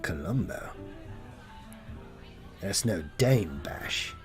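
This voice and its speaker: A man voicing a gruff male bartender who trades information in an audio drama, haggling and grumbling. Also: low voice, expressive, extremely slow, music in the background, pitched below the performer's own voice, full character voice. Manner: grumbling, haggling, tough-talking. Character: gruff male bartender, cagey info broker.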